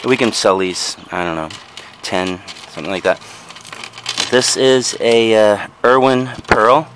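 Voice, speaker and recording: A man's voice: on the low side, measured pace, background noise. A man casually talking through things he bought, rambling with frequent ums and self-corrections, recorded outdoors on a handheld camera. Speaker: vlogger showing resale finds. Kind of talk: casual show-and-tell narration. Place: outdoors in a backyard patio.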